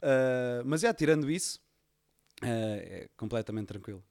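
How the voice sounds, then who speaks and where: A man's voice: mid-range voice, a little slow. Portuguese man telling stories casually. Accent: European Portuguese. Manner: relaxed storytelling, many fillers and restarts. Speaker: podcast guest. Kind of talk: casual conversation.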